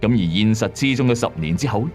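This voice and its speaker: A man with a Hong Kong Cantonese accent narrates like a late-night mystery host. His mid-pitched voice swings widely in melody, building suspense and dropping in chatty asides. Music plays softly behind him. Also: lively intonation, fast. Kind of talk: scripted storytelling narration. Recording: voice over background music. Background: music bed.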